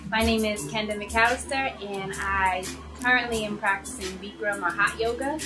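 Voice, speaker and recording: A woman describing her path into yoga in a thoughtful, detailed way, with many pauses. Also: mid-range voice, fairly even intonation, over music. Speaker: interviewee, former personal trainer. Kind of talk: documentary interview. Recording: noisy recording.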